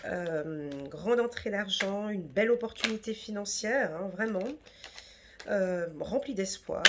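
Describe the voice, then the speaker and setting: A woman's voice: mid-range voice, heavy background noise. A woman giving a casual, reassuring tarot reading, full of fillers and "d'accord?" checks. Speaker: tarot reader.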